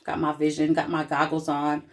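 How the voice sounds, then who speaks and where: A woman's voice: low voice, completely flat delivery, a little fast. A woman giving a casual social media tutorial in a playful, chatty, informal way.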